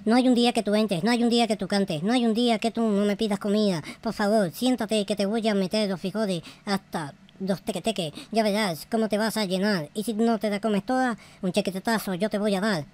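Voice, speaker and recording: A man's voice: high-pitched, steady tone, brisk, hardly any pauses, a little mellow, pitched below the performer's own voice, natural voice. A man voicing a scolding but loving mother in a game roleplay, nagging and repeating herself. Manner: nagging, threatening, repetitive.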